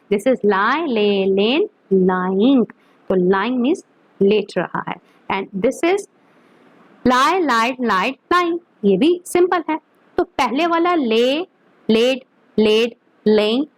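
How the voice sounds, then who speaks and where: A woman's voice: on the high side, no echo, rough recording. A woman teaching an English grammar lesson, switching between Hindi and English, repeating verb forms and asking her students whether they understood. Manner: slow, deliberate over English examples, quicker in Hindi.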